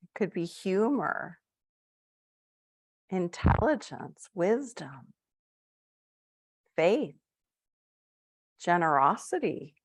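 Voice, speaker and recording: A woman with a lowish voice leads a guided meditation at an unhurried, very slow pace. Her tone is soft and gentle, with long drawn-out phrases. The sound is dry and close, with no room echo. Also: sing-song, breathy edge. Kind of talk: live-streamed guided meditation.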